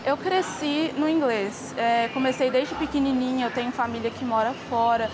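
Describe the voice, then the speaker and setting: A young woman with a high voice talks earnestly and eagerly in an interview. Clear background music plays under her words. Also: steady tone, normal speed, poor audio. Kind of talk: casual interview testimony.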